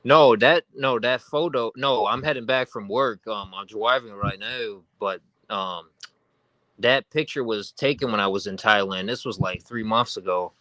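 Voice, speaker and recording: New york guy calling in from his car, low but bright punchy voice, joking around. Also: a little slow, dry recording, rough recording. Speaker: call-in guest. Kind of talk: casual chat. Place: in a car while driving.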